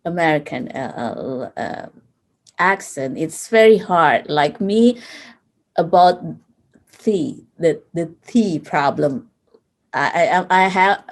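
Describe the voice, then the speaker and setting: A woman with a strong East Asian accent who speaks English as a second language, asking casual questions haltingly as a language student. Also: deep voice, animated. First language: non-native English speaker. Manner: halting, searching for words.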